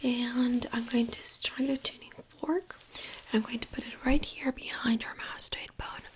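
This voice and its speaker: A woman softly whispering in an ASMR medical exam roleplay, giving slow, gentle, attentive instructions as the examiner. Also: fairly high pitch, level tone. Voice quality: soft breathy whisper.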